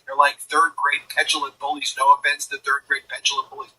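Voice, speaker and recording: A man's voice: a little high, monotone, fairly quick, sharp tone, slightly rough, recorded from a distance, rough recording. A man hosting a political commentary stream, speaking in a scornful, indignant manner. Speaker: host.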